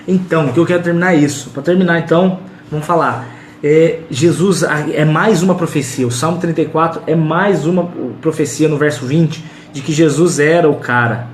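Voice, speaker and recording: Brazilian male Bible teacher, fairly high voice, punchy and repetitive, echoey room. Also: brisk, slight background noise. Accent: Brazilian Portuguese. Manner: emphatic and repetitive, with slangy asides. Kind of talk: casual Bible study talk.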